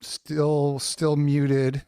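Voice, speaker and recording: A man's voice: on the high side, completely flat delivery, extremely slow, dark tone, smooth, no room sound, clean studio sound. A man from Saskatchewan hosting a casual livestream chat, easygoing and chatty. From Saskatchewan, Canada. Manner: easygoing, chatty, laughs often. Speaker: podcast host. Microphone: remote call setup.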